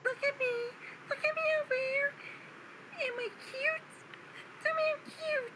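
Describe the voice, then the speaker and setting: A man's voice: extremely high pitch, fairly even intonation, measured pace, pushed and bright, pitched above the performer's own voice, heavily acted. A man voicing a cute, whiny little girl character in a fan game, sing-song and teary, in a noisy recording. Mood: cute menace.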